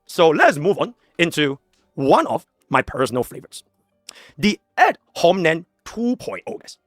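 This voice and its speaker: A man's voice: on the high side, big pitch swings, moderate pace, a bit bright, dry recording, studio quality, faint music behind. A man from Singapore, a video creator, delivering a lecture-like video essay.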